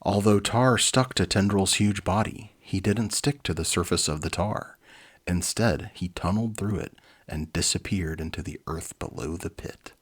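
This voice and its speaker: A man's voice: deep voice, moderate pace, slightly rough. A man presenting and reading a children's storybook, with an easygoing, informal manner. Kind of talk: dramatic reading with casual asides.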